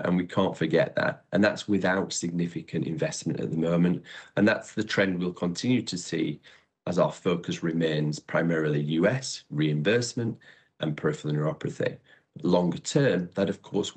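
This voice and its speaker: Low-voiced, husky businessman presenting results. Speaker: chief executive presenting quarterly results. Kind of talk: earnings call presentation.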